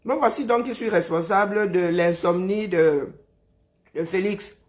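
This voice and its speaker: Her voice is mid-range and somewhat dark, roughened and tired, carrying a Cameroonian French accent as she addresses her live-stream audience. Playful and talkative, she welcomes viewers individually, humming and sighing slowly between remarks.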